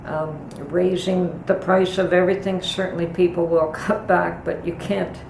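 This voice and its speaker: A middle-aged woman hosting a homestead vlog, chatting calmly and thoughtfully from her home kitchen. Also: on the low side, gravelly. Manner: calm, unhurried, thoughtful with pauses. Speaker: homestead channel host. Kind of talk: casual kitchen vlog chat. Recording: echoey room with noticeable background noise.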